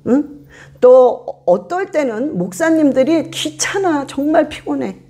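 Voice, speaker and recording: Woman pastor, high voice, emphatic repeating preacher. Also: unhurried. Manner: animated, acts out congregants' voices. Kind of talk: sermon.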